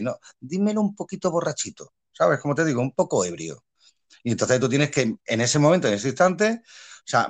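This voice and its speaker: Male actor, Spain Spanish accent, animated anecdote-teller, medium pitch. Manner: animated storyteller, laughs often, many fillers and repeats. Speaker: actor guest. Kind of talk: casual interview chat.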